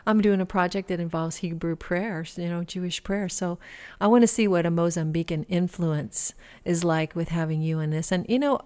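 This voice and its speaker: A woman's voice: on the low side, a little mellow. A woman hosting a radio show and interviewing a musician guest in a barn, talking in a chatty way with frequent ums and restarts.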